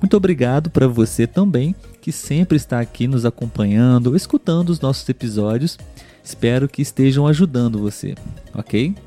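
A man with a Brazilian Portuguese accent hosting a podcast pronunciation lesson, patiently repeating example words slowly and clearly for learners. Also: mid-range voice, lively intonation, mellow, faint music behind. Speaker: language teacher and podcast host.

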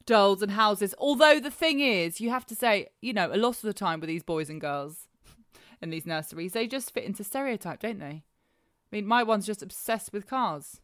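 English woman chatting, mid pitch, dead dry close sound, voice drops soft at the ends. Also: expressive, moderate pace, no room sound. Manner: chatty, trailing off softly at the ends of remarks. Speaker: podcast co-host. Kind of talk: casual chat.

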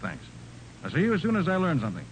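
An actor playing a brisk, stubborn, confident private detective in a 1940s radio drama, decisive and questioning. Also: male voice, fairly high pitch, wildly swooping pitch. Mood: brisk, probing. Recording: noisy 1940s radio recording.

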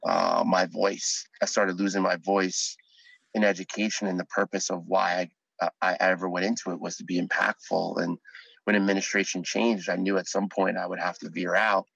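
A man's voice: low voice, gravelly, a bit bright, no echo, poor audio. A middle-aged man, an educator, speaking earnestly as a podcast guest about his mission. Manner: earnest, driven, speech-like. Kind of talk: casual podcast interview.

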